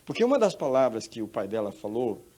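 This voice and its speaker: Brazilian pastor preaching with emphatic repetition. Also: male voice, medium pitch, big pitch swings, fairly quick, dark tone. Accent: Brazilian Portuguese. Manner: emphatic storytelling, repeats phrases. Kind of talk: sermon.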